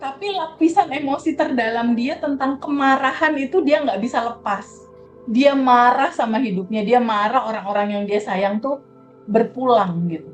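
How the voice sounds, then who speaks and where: Female coach with a higher voice, gentle and unhurried, faint music underneath. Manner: soft, slow, reflective, repeats words for emphasis. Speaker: guest coach on emotional release. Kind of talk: conversational interview.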